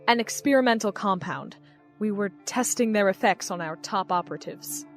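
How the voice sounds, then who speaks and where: An actress playing a secretive, condescending woman in command in an audio drama, measured and controlled. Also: medium pitch, expressive, faint music behind, close to an everyday voice. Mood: cool, knowing.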